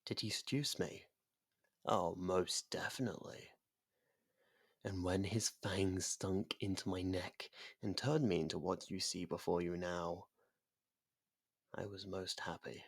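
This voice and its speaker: Man acting a slow, gravelly, seductive ancient vampire. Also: low-pitched, fairly even intonation, no echo, clean studio sound, full character voice. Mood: seductive, dreamy. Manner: slow, deliberate, theatrical, often dropping to a whisper. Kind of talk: ASMR roleplay monologue.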